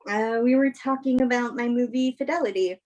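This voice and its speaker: A woman playing a sincere film actress in a staged play reading, speaking in an earnest, measured way. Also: a little high, a little mellow, muffled recording, natural voice. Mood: friendly, casual. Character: Emma, sincere film actress woman, thoughtful, open-minded believer. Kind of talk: virtual staged play reading, naturalistic dialogue.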